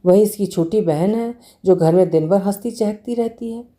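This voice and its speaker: A woman's voice: medium pitch, normal speed, warm tone, close to an everyday voice. A woman voicing a worried middle-aged mother who grumbles and scolds her daughter. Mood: grumbling.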